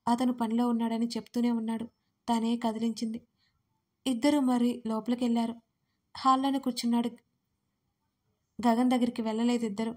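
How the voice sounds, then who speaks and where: A woman narrates a serialized audio story and voices every part. Her voice sits a little high and stays fairly flat, in a steady, even read.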